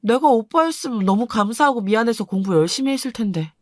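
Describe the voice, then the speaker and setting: A woman's voice: a little high, lively intonation, fast talker, dry recording, clean studio sound. A woman voicing a resentful teenage girl who complains in a pleading, aggrieved way in a radio story drama.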